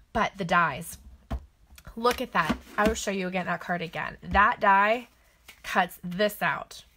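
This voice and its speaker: A woman's voice: medium pitch, bright, forceful tone. Woman, middle-aged, papercraft demonstrator, casual catalog walk-through, chatty, gushing. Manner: chatty and gushing, thinks aloud.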